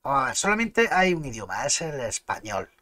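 A man's voice: mid-range voice, sing-song, brisk, sharp tone, no room sound. A man with an Andalusian Spanish accent, streaming and chatting casually, arguing his points emphatically and restarting words mid-flow. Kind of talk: casual live-stream chat.

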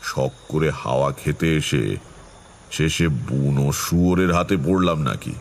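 An actor playing a seasoned, self-assured tantric who recounts his eerie tales in a measured, atmospheric, dramatic first-person style. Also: very deep voice, vocal fry, slight background noise, heavily acted. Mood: reflective, suspenseful. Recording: music behind the voice.

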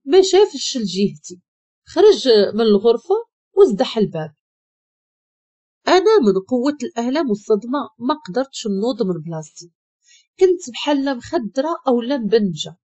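Woman, Moroccan accent, storyteller, fairly high voice, mellow tone, dramatic first-person narration, dry dull recording. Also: sing-song, normal speed, long pauses, no room sound.

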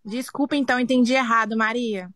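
A woman viewer pushing back with quick, defensive questions. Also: fairly high pitch, steady tone, fairly bright tone, slight background noise.

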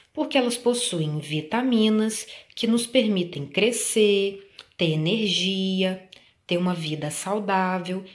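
A Brazilian woman teaching a preschool class, speaking gently and singing children's songs in a drawn-out, sing-song way. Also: mid-range voice. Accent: Brazilian Portuguese. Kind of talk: slow, sing-song lesson for small children. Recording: echoey room.

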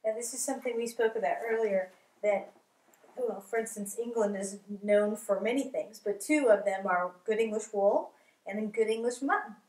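A woman interviewer asking slow, careful questions from off camera. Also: mid-range voice, darkish tone, roomy sound, rough recording.

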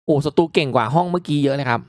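A man giving casual, reactive commentary as he hosts a mobile game playthrough, chatting politely to viewers with excitable exclamations. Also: fairly high pitch, racing, no echo, studio quality. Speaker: gaming video host.

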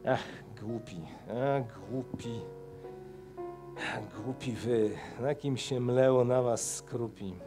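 A man playing a gruff, scornful old nobleman who speaks slowly, stressing every word, in a dramatic poetry reading. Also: medium pitch, fairly even intonation, over music. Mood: scornful, grim. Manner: slow, heavy, each word stressed.

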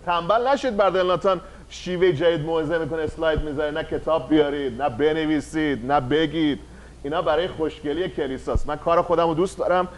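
A pastor delivers an animated sermon in a church, his voice sitting high for a man. He swings between fervent calls of praise and quick, conversational asides to the congregation. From Iran. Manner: animated preaching, rising to shouts of praise.

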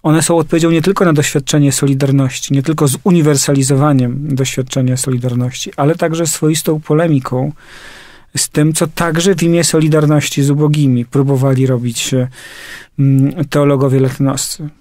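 A man's voice: a little high, flat delivery, brisk, a little mellow, dry recording, studio quality. A man from Poland hosting an interview, asking thoughtful questions and adding his own commentary with qualifying phrases. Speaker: interviewer host.

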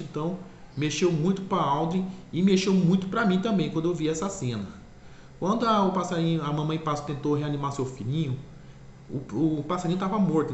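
Man retelling a cartoon plot, echoey room. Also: a little high. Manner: rambling, self-correcting, repeats "é claro". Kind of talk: casual spoken retelling. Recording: echoey room, faint ambient noise.

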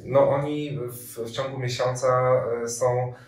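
A man's voice: mid-range voice, fairly even intonation, measured pace. A man in his thirties, a volunteer coordinator answering interview questions, hesitant with many fillers and restarts. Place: room with armchairs and radiator, indoors. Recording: echoey room, mic at a distance.

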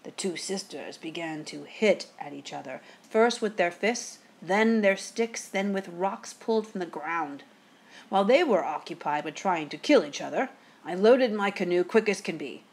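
A woman playing a quick-witted, teasing father who spins a ghost tale with drawn-out suspense. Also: medium pitch, animated, natural voice. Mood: hushed suspense.

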